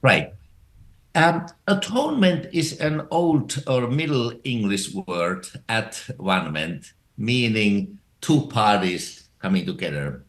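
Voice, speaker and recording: A man from Finland with a Finnish accent, a theology professor explaining ideas slowly with frequent hesitations in an interview. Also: lowish voice, big pitch swings. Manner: slow and measured, many hesitations. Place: residence in Finland.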